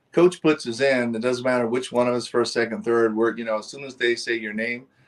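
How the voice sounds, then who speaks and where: A man with a plain, everyday voice talks fairly quickly at medium pitch, his intonation fairly even and his loudness swinging widely. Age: 60s. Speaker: actor. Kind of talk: interview.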